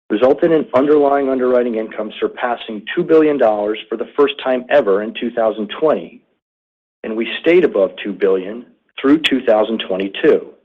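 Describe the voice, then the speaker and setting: A man giving a formal, scripted financial presentation as a company executive on an earnings call, with measured delivery of figures. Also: mid-range voice. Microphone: conference call line. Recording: narrow tinny phone-line sound.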